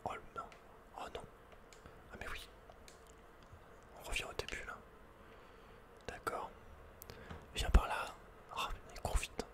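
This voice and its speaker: A man's voice: slow pace, long pauses. Whispering man, ASMR game commentary. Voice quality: soft, breathy, unvoiced whisper. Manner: casual, murmured running reactions with slangy asides. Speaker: ASMR gaming video host.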